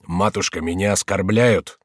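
A man's voice: sits low, moderate pace, dry recording, clean studio sound. A man voicing a volatile, anguished adult male king in a storybook reading. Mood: agitated. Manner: agitated, imploring, wrathful.

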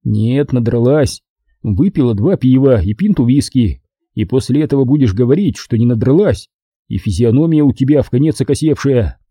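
A man reading an audiobook, voicing a wry male bookseller with slow deadpan replies. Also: medium pitch, breathy edge, no echo, clean studio sound.

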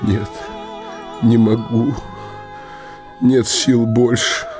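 An actor playing a lovesick, impulsive young village blacksmith in a theatrical audio drama, musing dramatically aloud to himself. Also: male voice, medium pitch, huge pitch swings, extremely slow, over music, heavily acted. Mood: anguished despair.

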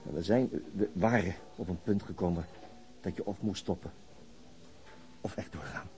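An actor playing a weary police detective nearing fifty, who talks hesitantly and stammers, with a resigned manner. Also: male voice, deep voice, normal speed, lightly acted. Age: late 40s. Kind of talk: Dutch radio drama acting. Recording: radio play with soft music underneath.

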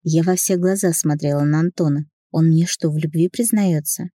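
A woman narrating a first-person romance novel as an audiobook, in a lively, emotional way. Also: low voice, moderate pace, no room sound.

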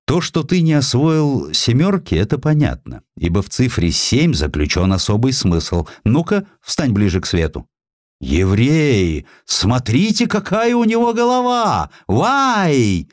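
A man's voice: medium pitch, unhurried, no room sound, clean studio sound, pitched above the performer's own voice. A man voicing an amazed, exclaiming rabbi in a dramatised audiobook story. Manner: exclaiming, animated.

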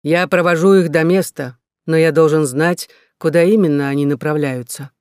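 A man voicing a calm young native guide who speaks firmly and directly. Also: on the high side, moderate pace, smooth, dry recording, clean studio sound, lightly acted.

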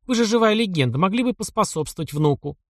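A man's voice: sits high, expressive, quick pace, no room sound, clean studio sound, pitched above the performer's own voice. A man doing a bold young woman. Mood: spirited. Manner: spirited, pointed.

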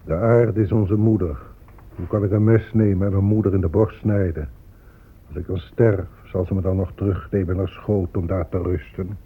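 Deep-voiced, weary Native American chief. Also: male voice, steady tone, breathy edge. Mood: grave, reproachful. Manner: slow, declamatory, mournful. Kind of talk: solemn radio drama oratory. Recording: muffled lo-fi tape with faint rumbling noise.

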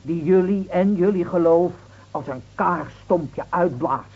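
A man's voice: high-pitched, measured pace, husky, full character voice. An actor playing a scornful, officious city-bred policeman in a Dutch radio drama, lecturing and brusque. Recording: muffled old radio recording.

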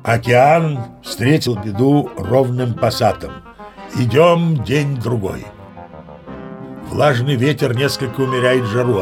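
An actor playing an old sea captain, spinning tall tales in a leisurely, self-important, theatrical way for an audiobook drama. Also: male voice, mid-range voice, vocal fry. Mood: nostalgic, savouring. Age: older. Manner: leisurely, pompous, savouring pauses and asides.

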